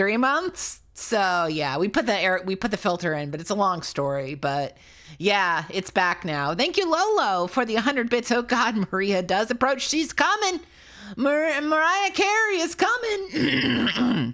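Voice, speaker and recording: A woman with a bright, sharp tone and vocal fry speaks at a fairly slow pace, her pitch swinging very widely. The recording is very clean, with a silent background. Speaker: streamer. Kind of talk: casual chat.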